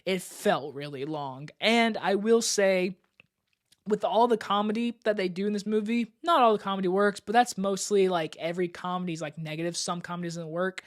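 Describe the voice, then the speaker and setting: A woman's voice: mid-range voice, moderate pace. A woman giving a casual movie review in a stuffy, congested voice from allergies, rambling and chatty. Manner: rambling and chatty, with many "like" fillers.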